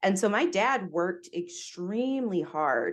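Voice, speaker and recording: The setting behind her is quiet. A woman talks, her pitch varying in an ordinary way. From Chicago suburbs, US Midwest. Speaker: employer brand lead, podcaster. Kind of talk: podcast interview. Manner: animated.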